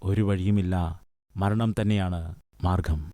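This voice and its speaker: A man's voice: deep voice, steady tone, measured pace, mellow, no room sound, studio quality. A man voicing a proud, despairing army commander, acted within a sermon. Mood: resigned.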